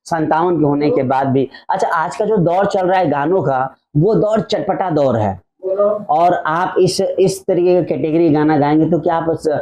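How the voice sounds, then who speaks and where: Male podcast host, friendly and slightly halting, voice a bit high. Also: warm tone. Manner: friendly, hesitant with fillers when asking questions. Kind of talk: casual podcast interview.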